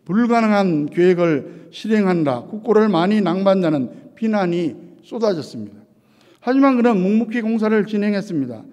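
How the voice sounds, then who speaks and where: A man preaching an earnest sermon as pastor, his delivery moving from quiet to shouted lines. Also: high-pitched. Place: church sanctuary. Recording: long church reverb.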